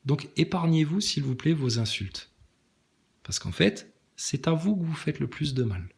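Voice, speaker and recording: A man's voice: on the high side, sing-song, unhurried, vocal fry. A man giving a sarcastic, emphatic monologue to camera, challenging his critics. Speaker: online video maker answering critics.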